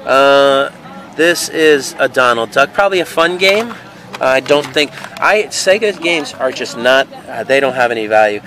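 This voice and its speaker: A man's voice: medium pitch, lively intonation, measured pace, bright, forceful tone, soft background music. A man casually talking through a box of used video games at an outdoor flea market, thinking aloud with many fillers, recorded on a handheld camera. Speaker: video game reseller. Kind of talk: casual handheld vlog narration. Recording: noisy outdoor camera audio.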